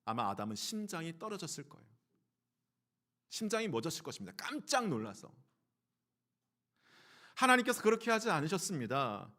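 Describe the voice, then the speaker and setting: Korean pastor guy giving a sunday sermon, kinda high voice, swings up and down a lot, keeps asking the church questions. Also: sing-song, a little fast, pauses often, sharp tone. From South Korea. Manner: preacher asking the congregation questions; acts out quoted lines in a changed voice.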